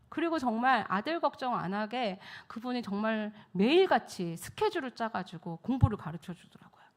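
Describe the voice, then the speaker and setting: A woman, a missionary and pastor's wife, giving a lively testimony sermon and acting out the dialogue. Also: fairly high pitch. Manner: animated storytelling, acts out dialogue. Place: church revival meeting.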